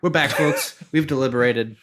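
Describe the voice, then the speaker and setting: A man co-hosting a podcast in a jokey, animated, casual chatting style. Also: mid-range voice, moderate pace. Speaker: podcast co-host. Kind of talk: casual chat.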